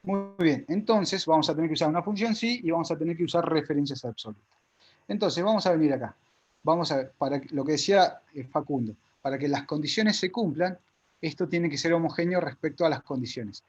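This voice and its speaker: A man's voice: a little high, a little fast, husky, faint music behind. A man teaching a live spreadsheet class step by step, with an Argentine Spanish accent, often checking whether his students follow.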